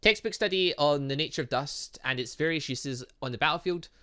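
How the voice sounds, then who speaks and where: A man voicing an eccentric, bright-voiced female professor. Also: on the high side, a little fast. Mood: teasing. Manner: flowery, formal phrasing full of odd metaphors.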